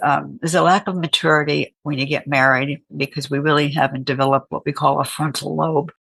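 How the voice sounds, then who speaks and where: This woman has a very deep, low pitch, vocal fry and fairly even intonation, and she talks at a fairly quick pace. The recording is dry and close, with no echo. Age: 80s+. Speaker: psychotherapist. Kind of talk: interview.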